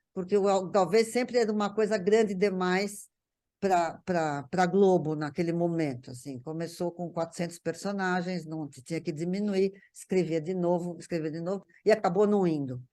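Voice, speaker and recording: A woman's voice: on the low side, normal speed, dark tone. A Brazilian woman reminiscing in casual conversation as an interview guest, often repeating words as she searches for the next one.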